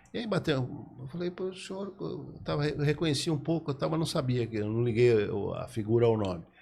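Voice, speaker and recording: Against a quiet background, a man with a dark, mellow, somewhat breathy tone moves at a fairly quick pace, his pitch swinging very widely. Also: fairly high pitch for a man. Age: 70s. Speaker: podcast host. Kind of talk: casual interview conversation.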